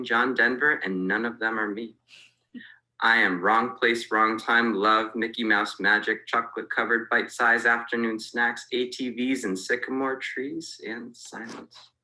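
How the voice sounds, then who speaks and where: A young man recites his own poem with a measured, rhythmic cadence. His voice sits low yet sounds bright and forward. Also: rough recording. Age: young adult. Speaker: poet reading his own work. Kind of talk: recited poetry.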